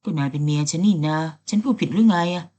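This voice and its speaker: A woman's voice: low voice, fast talker, mellow, lo-fi sound. A woman doing a sulky, sly young man. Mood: teasing. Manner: sulky, sarcastic and teasing.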